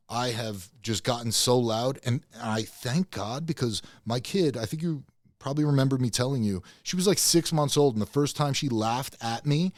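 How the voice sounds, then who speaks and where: A middle-aged man talking loudly and passionately, with plenty of swearing, as a guest in a casual podcast chat. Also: medium pitch, no room sound, studio quality. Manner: loud, passionate, profane, emphatic.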